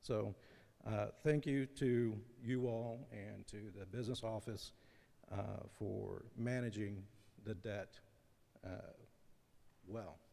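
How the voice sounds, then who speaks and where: A man mumbles at a very slow pace, leaving long, frequent pauses. His tone is dark and mellow, and his intonation fairly even. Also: fairly low pitch for a man. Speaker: community committee member presenting to school board. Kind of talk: committee presentation at public meeting. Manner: mumbling; hesitant, many fillers. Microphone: too quiet, far from mic early on.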